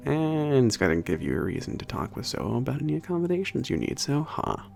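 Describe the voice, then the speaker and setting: A man playing a teasing werewolf trainer with a bit of an attitude in an ASMR roleplay, gravelly, casual and hesitant in his banter. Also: mid-range voice, a little mellow. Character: teasing, gruff-edged male werewolf trainer at a spaceport. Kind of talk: ASMR roleplay, naturalistic one-sided conversation.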